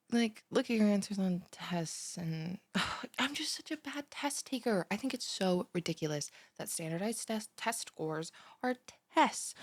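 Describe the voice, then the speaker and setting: A young woman acts out a bubbly, scatterbrained female student in an intimate audio roleplay. She rambles in valley-girl style, blunt and full of filler "likes", with creaky fry in her voice. The sound is very dry, with no room around it. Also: medium pitch, no echo. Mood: whiny, indignant. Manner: rambling valley-girl chatter full of "like", sighs and breathy asides. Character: chatty, scatterbrained, over-caffeinated bimbo female college student, bubbly and blunt. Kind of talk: scripted one-sided audio roleplay, spoken straight to the listener.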